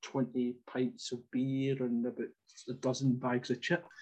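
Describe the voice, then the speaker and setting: A man's fairly slow, monotone delivery with flat intonation in a Scottish accent. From Scotland, Ayrshire. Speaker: artist and folklore storyteller. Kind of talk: interview.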